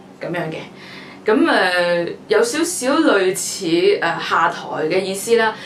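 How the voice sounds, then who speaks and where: A woman's lively intonation comes through with audible room echo and light background noise. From Hong Kong. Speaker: language teacher YouTuber. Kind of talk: tutorial. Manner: casual with frequent filler hesitations. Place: home room.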